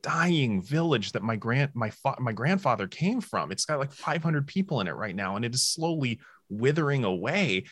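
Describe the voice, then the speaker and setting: A man from the United States on a casual panel chat, speaking in a hesitant way with halting restarts. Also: medium pitch, expressive, husky, no room sound, clean studio sound.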